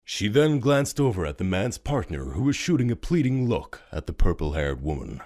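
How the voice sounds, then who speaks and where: Deep, animated male story narrator. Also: normal speed. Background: music.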